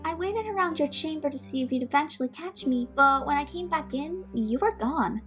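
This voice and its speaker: A gentle young servant woman, acted by a woman with a distinctly high voice, speaking over clear background music. She is careful, earnest and reassuring, in the style of an audio drama. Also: expressive, fairly quick. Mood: careful, tender. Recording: music under the voice.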